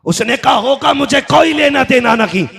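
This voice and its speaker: Man, sermon storytelling, high voice, gravelly, chanted rises in the dialogue. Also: animated, normal speed, a bit bright. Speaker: preacher.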